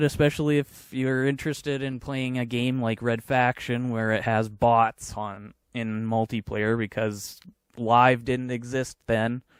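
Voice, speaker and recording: A man talks at a fairly slow pace with a medium pitch. The sound is dry and close, with no echo. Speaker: gaming YouTuber and podcast co-host. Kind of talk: casual chat. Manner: interrupts often.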